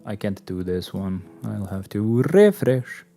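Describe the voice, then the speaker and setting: A man's voice: fairly low pitch, big pitch swings, a little slow, creaky, warm tone, faint music behind. A man streaming a game, chatting casually and muttering and swearing at what happens on screen. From Albania. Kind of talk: casual gameplay chat.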